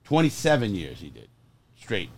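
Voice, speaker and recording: A man hosting a casual podcast in an RV, a loud, laughing storyteller who jokes and swears freely. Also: lowish voice, wildly swooping pitch, normal speed, no room sound. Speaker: podcast host. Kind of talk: casual chat.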